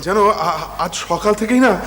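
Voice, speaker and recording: A hesitant, wistful temple dweller. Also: male voice, high-pitched, unhurried, a bit bright. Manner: hesitant, stumbling, trails off. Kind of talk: TV period drama acting. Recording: hall reverb, faint hiss.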